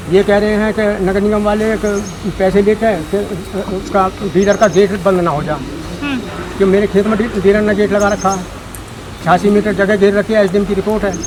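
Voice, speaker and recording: Moderate pace and monotone, flat intonation, with noticeable background noise behind. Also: man, high pitch for a man. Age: 70s. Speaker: farmer. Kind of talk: interview answer. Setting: outdoors.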